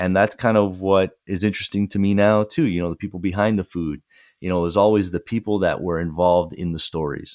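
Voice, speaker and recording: A man talks at a fairly quick pace in a very deep, low pitch with fairly even intonation. The sound is dry and close with no echo, on a very clean recording with a silent background. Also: hardly any pauses. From South Florida (Miramar, Cuban-American community). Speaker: journalist and radio host. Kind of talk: casual interview conversation.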